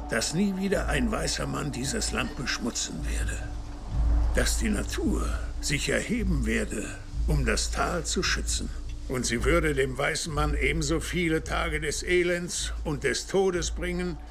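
An actor playing a wary, solemn old Native American man who speaks slowly and gravely in a dubbed TV drama. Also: a little high, expressive, noisy background. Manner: slow, grave, deliberate storytelling. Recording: music clearly underneath the voice.

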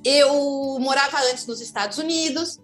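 A woman's voice: high-pitched, unhurried, faint music behind. A woman in her thirties from São Paulo with a Brazilian Portuguese accent, speaking as an interview guest in a reflective, frank, thinking-aloud way. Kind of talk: candid conversational interview. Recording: echoey room.

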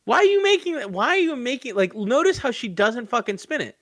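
A man's voice: very high voice, big pitch swings, fairly quick, a bit bright, no room sound. A man co-hosting a podcast, talking animatedly and pushing his point, swearing and restarting sentences. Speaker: podcast co-host. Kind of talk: casual chat.

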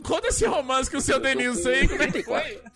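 A man's voice: very high voice, lively intonation, brisk, loud music behind the voice. A man, hosting a casual podcast chat and teasing his co-hosts. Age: 30s. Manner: teasing, jokey. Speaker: podcast host.

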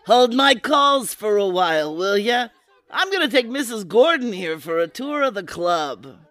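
Brash, animated health club boss. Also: female voice, medium pitch, unhurried, no room sound. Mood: bossy, guarded. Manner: salesy, blunt, theatrical. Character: brash, pushy female health club owner. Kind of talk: old-time radio comedy acting.

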